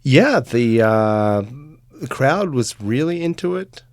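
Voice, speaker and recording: A man's voice: medium pitch, big pitch swings, slow, no room sound, studio quality. A middle-aged man from Australia, a sports reporter talking casually on a podcast, with many fillers and restarts.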